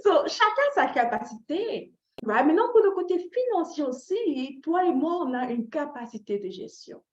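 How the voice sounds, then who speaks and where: This Canadian woman's high-pitched voice swings widely in pitch at a normal speed as she gives an informal, motivational live lesson on personal finance. She asks her listeners questions, checks in with them, repeats phrases for emphasis, and tosses in short English tags. There's a roomy echo and a slightly dull, lo-fi sound.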